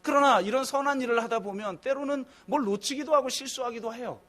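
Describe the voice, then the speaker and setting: Middle-aged male pastor, very high pitch, conversational church sermon with soft asides and loud emphatic peaks. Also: fast talker. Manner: conversational preaching, swings from soft musing to loud emphatic outbursts. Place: church sanctuary.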